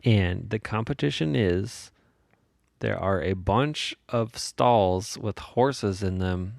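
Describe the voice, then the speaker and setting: A man's voice: lowish voice, slow pace, creaky, no room sound, clean studio sound. An American man co-hosting a podcast, telling stories in casual comedic banter. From United States. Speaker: podcast co-host.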